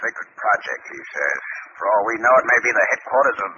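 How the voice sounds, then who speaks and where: An actor playing a level-headed, wary spaceship captain in 1950s radio drama style, measured and firmly questioning. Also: male voice, fairly low pitch, lively intonation, pushed and bright. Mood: suspicious. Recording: noisy, muffled 1950s radio recording.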